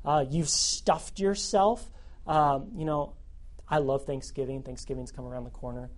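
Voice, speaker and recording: A man preaching a sermon to students as their youth pastor, animated and repeating phrases for emphasis. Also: medium pitch, unhurried.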